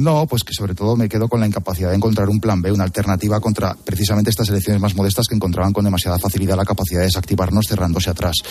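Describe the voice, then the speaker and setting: A man at a very fast pace, somewhat breathy, with very even loudness, fairly even intonation and hardly any pauses. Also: fairly low pitch for a man. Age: 30s. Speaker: journalist, commentator. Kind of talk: radio panel discussion.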